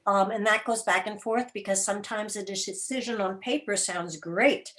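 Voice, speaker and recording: Halting, thoughtful woman explaining her work. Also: medium pitch, fairly bright tone. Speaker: interview guest, radio program and podcast producer. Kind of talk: informal spoken explanation at an online gathering.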